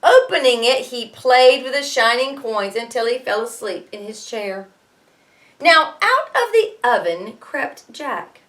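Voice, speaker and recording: Animated high-voiced woman teacher reading aloud. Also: a little slow. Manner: expressive, explanatory. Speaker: schoolteacher reading to students. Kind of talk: storybook read-aloud with explanatory asides.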